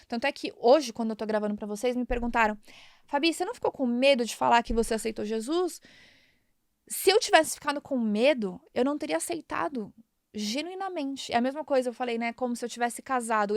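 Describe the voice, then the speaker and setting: A woman's voice: on the high side, dry recording, studio quality. A woman in her thirties with a Brazilian Portuguese accent, hosting a podcast and sharing a personal faith testimony in an earnest, emotional way, often repeating herself. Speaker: podcast host.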